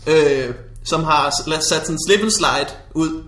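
A man's voice: fairly high pitch, fairly bright tone. Playful man describing a scene, echoey room. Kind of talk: casual chat.

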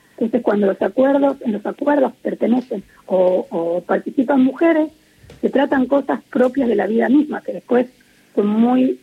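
A middle-aged woman from Argentina with an Argentine Spanish accent, speaking as an interviewee in a phone interview, earnest and measured with many hesitations. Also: on the high side, vocal fry, breathy edge. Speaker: interviewee, peace activist. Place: at home in Israel. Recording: muffled lo-fi phone line.

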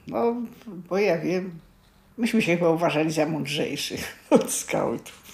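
An older woman reminiscing casually, plain-spoken and unapologetic, with some halting phrases. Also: sits low, expressive, creaky, a little mellow. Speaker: interviewee, former youth group member.

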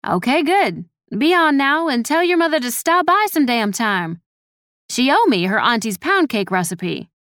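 A woman's voice: high voice, sing-song, measured pace, fairly bright tone, no room sound, voice pushed up, full character voice. Stern, salty grandmother in an audiobook, elderly and protective, scolds bluntly, dry studio sound female reader performs her. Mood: blunt concern.

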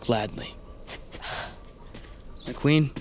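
A man playing a meek, deferential tribal storyteller in a fantasy audio drama, with a halting way of speaking. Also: background noise. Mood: meek, wounded.

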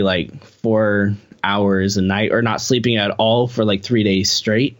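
A young man talking as a guest musician on a podcast, rambling casually with a lot of "like" in his sentences. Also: lowish voice. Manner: rambling, heavy use of filler "like".

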